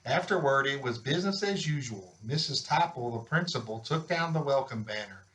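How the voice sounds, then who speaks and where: A man reading a children's picture book aloud in an expressive storytelling style. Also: mid-range voice, moderate pace, rough recording. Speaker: volunteer story reader.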